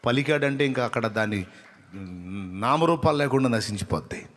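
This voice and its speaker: A man preaching a sermon with passion, swinging from loud, urgent appeals to soft, tearful prayer. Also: medium pitch, normal speed, slight background noise.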